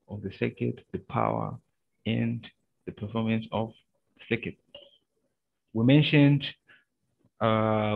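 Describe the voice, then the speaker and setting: Male lecturer, screen-recorded call audio, low gravelly voice, unhurried halting delivery. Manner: slow, halting, many pauses and filler sounds. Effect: screen-recorded video-call audio. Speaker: university lecturer. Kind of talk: online lecture over shared screen. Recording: narrow, phone-like video-call audio.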